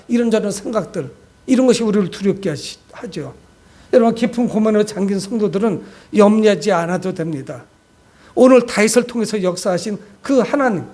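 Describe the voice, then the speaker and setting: High-pitched male pastor preaching. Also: darkish tone. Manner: exhortative, addresses listeners often with rhetorical questions. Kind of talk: sermon to a congregation.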